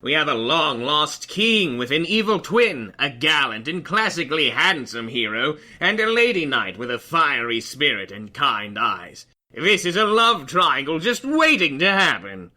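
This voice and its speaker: Comic fantasy adventurer, male actor: sharp, intense tone, animated pitch, sincerely foolish and melodramatic. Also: a little slow, hardly any pauses, heavily acted. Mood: pleading, dramatic. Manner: melodramatic, apologetic. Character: earnest, romance-obsessed, foolish young adventurer. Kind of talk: audio fiction comedy acting.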